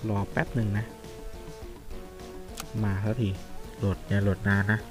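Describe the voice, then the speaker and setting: A man giving casual, chatty commentary while playing a mobile shooter game, reacting loudly to the action. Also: fairly low pitch, a little slow. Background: game music.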